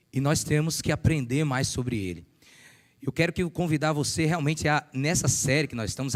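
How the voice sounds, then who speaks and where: A hoarse male preacher whose deep, radio-announcer tone carries a friendly, joking warmth as he calls the congregation to answer amen. His voice comes through the church sound system and trails off into a long reverb across the sanctuary. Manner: chatty, jokes with the congregation, call-and-response amens. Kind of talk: sermon.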